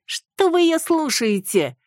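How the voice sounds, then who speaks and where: A woman reading an audiobook, voicing a shrill, indignant woman in a crowd who sneers slowly. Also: very animated, darkish tone, no echo, studio quality, exaggerated voice. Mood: scornful.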